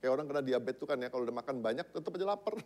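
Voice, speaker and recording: A man preaching a church sermon, casual and slangy, swinging from loud declarations to hushed asides and asking the congregation questions. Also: medium pitch, expressive, very fast. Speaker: pastor. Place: church service.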